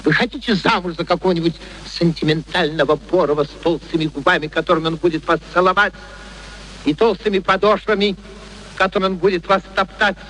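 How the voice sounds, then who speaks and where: An actor playing an arrogant, cutting scholar in a radio play, declaiming and arguing with scorn. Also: male voice, high voice, fairly even intonation, a little fast, pushed and bright, low-quality recording. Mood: scornful. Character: arrogant, self-absorbed male scholar, cutting and exasperated. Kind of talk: Soviet radio play acting. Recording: old radio play recording, faint noise.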